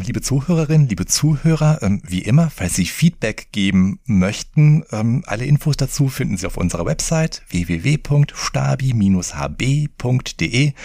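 A man's voice: fairly low pitch, animated, moderate pace, a little mellow, dry recording, clean studio sound. A man hosting a podcast, interviewing an author and signing off with fillers here and there. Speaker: podcast host.

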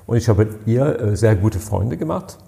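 Older french guy, accent, lowish gravelly voice, stops and hunts for words a lot, interview guest. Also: animated, mellow. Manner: halting, searching for words, many fillers. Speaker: party president, guest. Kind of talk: interview answers, storytelling.

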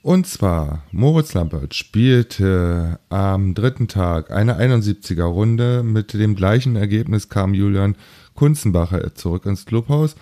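A man's voice: lowish voice, expressive, a little slow, warm tone. A man hosting a golf recap, reading out scores and standings in a casual commentary style. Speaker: golf show host.

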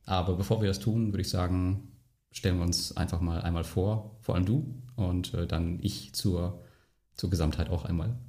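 A man's voice: low-pitched, fairly even intonation, moderate pace, warm tone. A man hosting a podcast, talking in an easygoing, casual way. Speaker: podcast host. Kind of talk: casual conversation.

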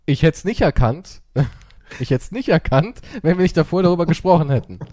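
A man chatting casually and teasingly, with an animated, expressive way of talking. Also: fairly high pitch, a little fast, no room sound. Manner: teasing, playfully mocking. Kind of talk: casual banter.

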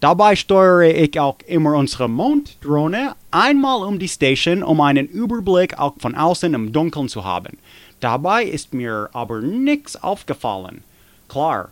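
A man's voice: a little high, no echo. A man playing a stern, rule-proud security guard who gives his witness statement in a self-assured, officious way. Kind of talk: scripted witness monologue.

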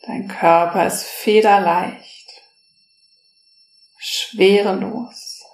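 A woman speaking slowly and softly, leading a guided relaxation meditation. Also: mid-range voice, fairly even intonation. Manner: slow, soft-spoken, soothing. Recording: roomy echo.

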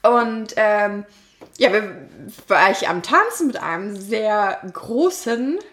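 A woman's voice: mid-range voice, takes it slowly. A woman, co-hosting a podcast and telling personal stories in a casual, playful, giggly way. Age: late 20s. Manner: giggly, playful, animated storytelling. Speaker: podcast co-host. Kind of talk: casual chat, personal storytelling.

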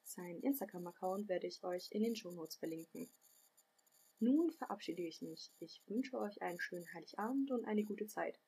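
A woman's voice: lowish voice, animated, moderate pace, dark tone, slight background noise. A woman hosting a podcast, giving a friendly episode introduction. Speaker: podcast host.

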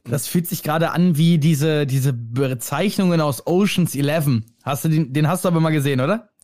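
A young man co-hosting a casual podcast, talking in animated, rambling stretches. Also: a little high, fairly quick, dry recording, clean studio sound. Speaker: podcast co-host. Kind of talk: casual chat.

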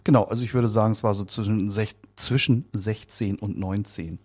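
A man's voice: lowish voice, steady tone, normal speed, darkish tone, slightly rough. A man of about fifty being interviewed, talking in a casual, rambling, colloquial way and often repeating words. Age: around 50. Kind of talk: casual conversational recollection.

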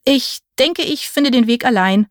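A woman's voice: mid-range voice, normal speed, no echo, clean studio sound, natural voice. A woman voicing a polite young man who is lost and stammers when he speaks. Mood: frightened.

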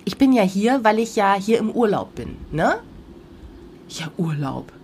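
A woman's voice: medium pitch, unhurried, slight background noise. A woman in her thirties, co-hosting a podcast and telling an anecdote in a casual chat, acting out the dialogue. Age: 30s. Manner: animated storytelling, acting out quoted dialogue. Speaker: podcast co-host.

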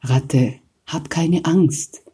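Woman doing a gentle storybook bat. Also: sits low, extremely slow, breathy edge, heavily acted. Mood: soothing. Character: kind bat, gentle teacher.

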